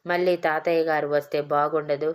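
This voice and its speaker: Timid young wife from an audio storybook, pleading and shy, read by a woman; low, even voice. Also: normal speed, clear, resonant tone, close to an everyday voice.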